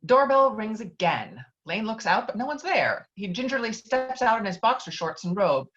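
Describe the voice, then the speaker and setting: A woman's voice: mid-range voice, very animated, normal speed, fairly bright tone, faint music behind. A woman reading out screenplay stage directions as the narrator of an online table read. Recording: dull, lo-fi online call audio.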